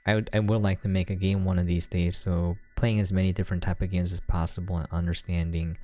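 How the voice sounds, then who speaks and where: A man's voice: deep voice, level tone, quick pace, warm tone. A man giving casual, unscripted gameplay commentary as a channel host, talking in a rambling, chatty way. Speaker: video game reviewer and channel host. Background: background music.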